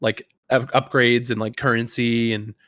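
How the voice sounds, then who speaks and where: A man co-hosting a casual gaming podcast, talking in a halting way with pauses mid-thought. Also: medium pitch, flat delivery, bright, forceful tone, dry recording, studio quality. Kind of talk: casual chat.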